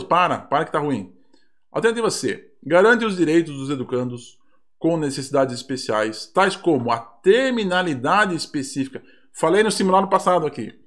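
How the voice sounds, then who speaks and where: A man with a Brazilian Portuguese accent, a teacher reviewing mock exam questions in an online lesson, reading aloud with ironic asides. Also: sits high.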